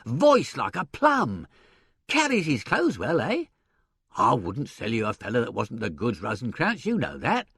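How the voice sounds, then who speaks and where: A man voicing a hectoring, stout theatrical agent in an audiobook, bellowing in an excitable, brusque way. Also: on the low side, a little fast, creaky, hardly any pauses, slightly rough, dry recording, clean studio sound, full character voice. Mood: excited, triumphant.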